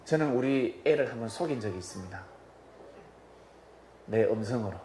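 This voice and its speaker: A man's voice: mid-range voice, normal speed. A man preaching a sermon, his voice rising and falling widely as he acts out the people in his stories. The sound is roomy, with the echo of a church sanctuary and a faint hum of ambience behind him. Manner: animated storytelling, acts out quoted voices. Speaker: pastor.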